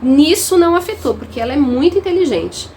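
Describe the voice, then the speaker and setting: A woman's voice: sits high, expressive, fairly quick, mellow, slight background noise. A young adult woman, a mother and channel host, telling her viewers a story in a casual, earnest and emotional way. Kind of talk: casual vlog talk to viewers.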